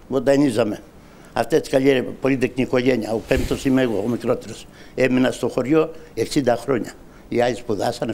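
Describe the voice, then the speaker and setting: A man's voice: mid-range voice, creaky, darkish tone, slight background noise. A man in his sixties from Greece, an audience member telling his grievance in an impassioned, aggrieved way and speaking directly to the host and a minister. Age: 60s. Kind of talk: impassioned personal account on a talk show.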